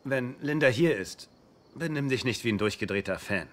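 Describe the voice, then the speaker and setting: An actor playing an easygoing, reasonable housemate in a dubbed sitcom, with a dry, teasing manner. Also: male voice, mid-range voice, expressive, normal speed, natural voice. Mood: dry advice. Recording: noisy sitcom audio with clicks.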